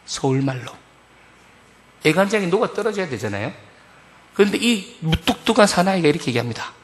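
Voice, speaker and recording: Animated middle-aged preacher man, echoey. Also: sits high, fairly quick. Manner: animated, storytelling, addresses the congregation. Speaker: pastor. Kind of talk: sermon. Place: church sanctuary. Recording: echoey church hall.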